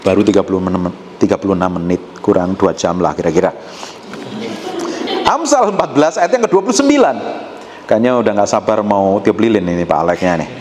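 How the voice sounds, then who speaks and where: A male pastor, preaching a sermon and teasing the congregation, swinging between quiet asides and loud outbursts. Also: fairly low pitch. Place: church hall with a congregation. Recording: echoey hall with faint room noise.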